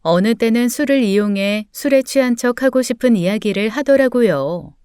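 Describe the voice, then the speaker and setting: A woman tells a first-person true story in a confessional, scripted narration. Her voice is smooth and clear, pitched a little high. It is recorded close and dry, with no room around it. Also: lively intonation, normal speed, warm tone, dry recording.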